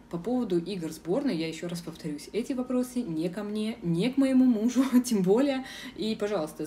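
Young woman vlogger, low mellow voice. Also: far from the mic, a little hiss or hum. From Russia. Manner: frank, firm, many filler sounds. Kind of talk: casual vlog Q&A. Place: outdoors in a city square.

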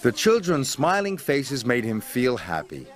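Expressive older American storybook narrator. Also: male voice, medium pitch, unhurried. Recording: narration with music underneath. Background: music.

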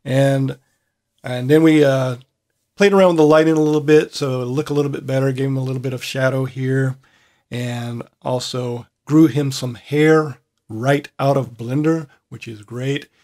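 A man hosting a casual software tutorial, thinking aloud as he works with relaxed pauses. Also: mid-range voice. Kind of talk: casual screen-recorded tutorial.

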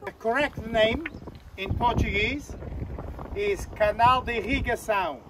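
An older man guiding a walk outdoors, explaining plants and sights in halting, playful English. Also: high voice, noisy background. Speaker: tour guide. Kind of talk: guided walk commentary. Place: outdoors on a mountain path.

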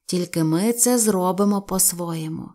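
A woman voicing old pine trees in a storybook reading, speaking slowly and drawing out her words. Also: fairly low pitch, warm tone, natural voice. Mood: gently scolding. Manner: slow, drawn-out, rustling delivery. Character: old whispering pine trees, wise and slow.

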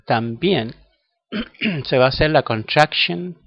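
A man teaching English in Spanish, a native Spanish speaker who patiently explains each step and repeats answers slowly. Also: a little high, animated. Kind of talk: slow language lesson. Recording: dull lo-fi audio.

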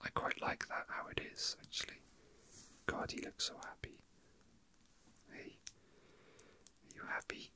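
A young man whispering softly and breathily in an unhurried, halting ASMR murmur, as if casually commenting while his hands are busy. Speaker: ASMR video host. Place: indoors at a tabletop.

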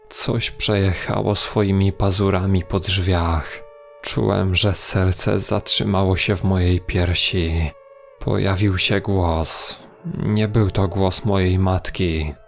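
A man reading a horror story in a measured, grave storytelling manner. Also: low voice, level tone, vocal fry. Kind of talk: scripted horror narration. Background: faint music.

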